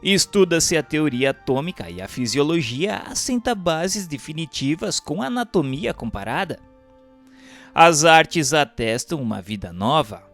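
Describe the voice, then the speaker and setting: A man's voice: a little high, fairly bright tone. Solemn Brazilian male narrator over music. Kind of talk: solemn scripted audiobook-like narration. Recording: music bed under the voice. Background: instrumental music.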